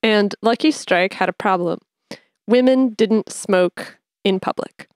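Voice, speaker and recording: A woman's voice: medium pitch, takes it slowly, dry recording. Woman, interviewer, curious, explanatory, dry close sound. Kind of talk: casual interview questions.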